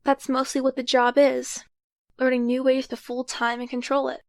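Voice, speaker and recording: A woman's voice: sits high, little pitch movement, moderate pace, no echo, clean studio sound. A woman playing an earnest, cautious young time traveler who takes charge and explains things carefully in an audio drama. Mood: reassuring, confident.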